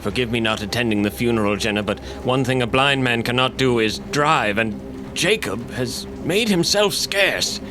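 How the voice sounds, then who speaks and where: A man acts out a solemn small-town pastor in an audio drama. His voice is medium in pitch and formal in delivery, over background music. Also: lively intonation, moderate pace, close to an everyday voice.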